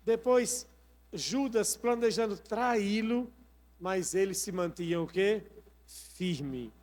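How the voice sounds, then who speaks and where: High-voiced pastor preaching in a reverberant church. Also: male voice, a little mellow. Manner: preaching with rhetorical questions and call-and-response prompts. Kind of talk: sermon. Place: church sanctuary.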